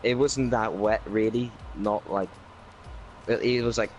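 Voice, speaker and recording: A Welsh man talking through his race as a league driver in a casual interview, rambling with many fillers and speeding up when excited. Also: on the low side, measured pace, soft background music, rough recording. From Wales.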